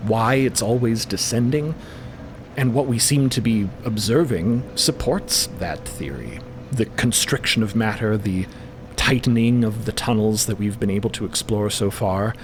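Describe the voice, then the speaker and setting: A man playing a learned explorer in a fiction podcast, explaining grand theories in a measured way. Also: animated. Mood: absorbed, musing. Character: learned male explorer-scientist, absorbed in grand cosmic theories. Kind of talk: fiction podcast character acting. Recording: background ship ambience and rumble.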